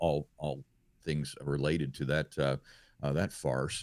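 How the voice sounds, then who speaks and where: A man with an American accent speaks with a very deep, low pitch and vocal fry, in a dry, close sound with no echo. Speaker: independent journalist and musician. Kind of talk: interview. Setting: video call.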